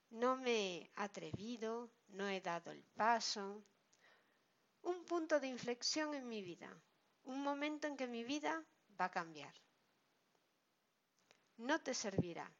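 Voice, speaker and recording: Woman, Spain Spanish accent, language teacher, slow careful delivery, dull lo-fi sound. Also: fairly high pitch. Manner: slow, careful, explains each phrase. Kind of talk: reading a lesson aloud. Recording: dull lo-fi recording.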